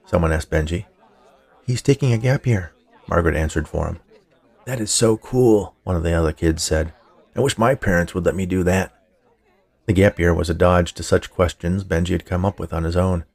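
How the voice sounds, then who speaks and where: Male storyteller for a fiction podcast: deep, fry-edged voice, measured scripted narration. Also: darkish tone. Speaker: writer, narrator and podcast producer.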